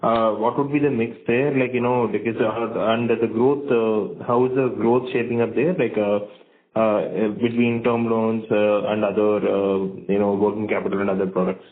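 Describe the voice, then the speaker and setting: A man's voice: fairly low pitch, flat delivery, moderate pace. Hesitant man over a tinny phone line. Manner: hesitant, heavy on "like, you know" fillers. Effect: heard over a phone line. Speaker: analyst asking questions on an earnings call. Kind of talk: conference call questions.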